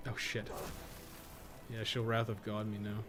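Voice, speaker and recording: Loud music sits behind a lowish male voice with a completely flat delivery and a slightly slow pace. He rambles through casual live stream commentary, thinking aloud while gaming and cursing bluntly and often, amid noticeable background noise.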